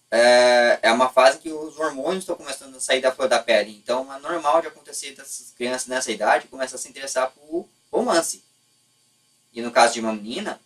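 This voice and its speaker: A man's voice: medium pitch, fairly bright tone, far from the mic, low-quality recording. Blunt Brazilian man, slightly off-mic. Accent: Brazilian Portuguese. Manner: blunt, colloquial, lightly profane. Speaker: YouTube host. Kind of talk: unscripted opinion vlog, casual commentary.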